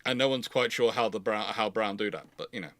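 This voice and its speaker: A man with a bright, forceful voice explains things live and unscripted as a host. He rambles, doubling back to restart and repeat phrases. The sound is dry and close. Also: fairly low pitch, fast talker, no echo. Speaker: host of a live naval history Q&A.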